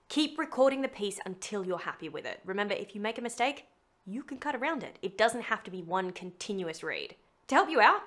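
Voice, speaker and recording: A woman's voice: medium pitch, a bit bright. A woman narrating a scripted tutorial in a chatty, playful way with wry asides. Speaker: voice actor giving a tutorial.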